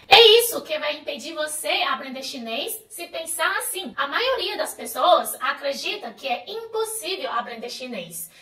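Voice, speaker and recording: A woman whose first language is Chinese teaching Chinese in a video lesson in Portuguese, in a lively, encouraging, explanatory way. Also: sits high. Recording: roomy echo, voice a bit far from the mic.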